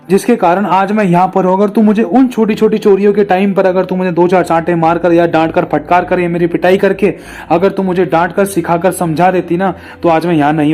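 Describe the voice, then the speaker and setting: A man's voice: sits high, darkish tone, lightly acted. A man voicing a condemned young man who bitterly blames his mother in a sermon story. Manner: blaming, repetitive pleading.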